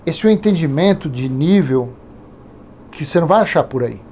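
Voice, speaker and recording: A Brazilian man in his fifties, speaking with a Brazilian Portuguese accent, leads an informal Bible study in a rambling, conversational style full of digressions. His voice is on the high side and mellow, with lively intonation and a slightly fast pace, over slight background noise.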